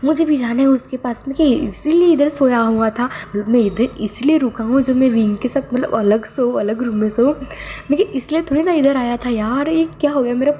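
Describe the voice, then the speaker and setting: A woman's voice: a little high, fairly quick, warm tone, slight background noise, pitched above the performer's own voice, lightly acted. A woman voicing a clingy young man who fakes being scared of a rat, whiny and pleading. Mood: sulking.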